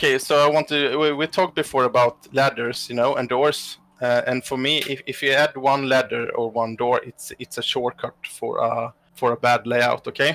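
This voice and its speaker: Moderately paced male speech, medium in pitch, the intonation fairly even. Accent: Swedish. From Sweden. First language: Swedish. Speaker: video game map designer. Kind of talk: interview. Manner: halting, many fillers.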